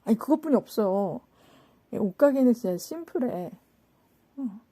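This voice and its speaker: A woman hosting a spiritual talk, telling an anecdote in a casual, animated way, acting out quoted lines and asking the listeners rhetorical questions. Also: on the high side, normal speed. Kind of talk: casual storytelling lecture.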